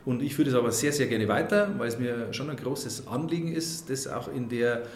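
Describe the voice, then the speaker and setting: A school principal speaks deliberately in an interview, sounding committed to his subject. His voice has a middle pitch for a man, and the room around him gives a noticeable echo. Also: animated. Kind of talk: interview statement.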